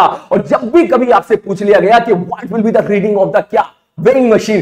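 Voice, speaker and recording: A male physics teacher giving a casual exam-prep lecture, asking and repeating his own questions. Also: high voice. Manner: conversational, asks and repeats questions.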